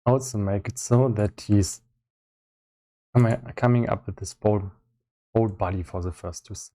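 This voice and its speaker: A man giving casual live-stream commentary as he works on a game, thinking aloud in a halting way with repeated words. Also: fairly low pitch, steady tone, dark tone. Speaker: solo game developer streaming.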